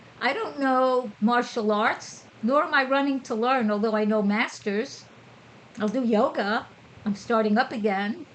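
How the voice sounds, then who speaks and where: With noticeable background noise behind her, a woman with an American accent speaks slowly in a fairly high pitch with ordinary pitch variation. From New York City, Manhattan. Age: 80s+. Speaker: spiritual teacher and podcast host. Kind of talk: spiritual talk.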